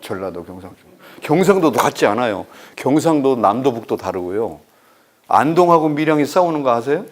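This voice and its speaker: A man's voice: mid-range voice, fairly quick. A male professor, giving a humorous lecture full of anecdotes and acting out conversations to tease his audience. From Chungcheong, South Korea. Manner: animated storyteller who acts out dialogue and teases the audience.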